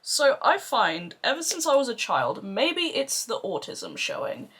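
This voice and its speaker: The husky-voiced woman you'd hear on a makeup tutorial, rambling playfully to her followers as she works. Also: on the high side, huge pitch swings, unhurried, a bit bright. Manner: playful, sweary, self-deprecating. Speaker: beauty vlogger doing a makeup tutorial. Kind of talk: casual rambling chat to camera.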